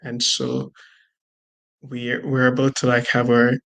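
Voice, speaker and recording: Gravelly young man, halting casual talk. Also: mid-range voice, monotone, fairly bright tone, rough recording. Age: young adult. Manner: casual, halting, many "like" fillers. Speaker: panelist. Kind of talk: online panel discussion.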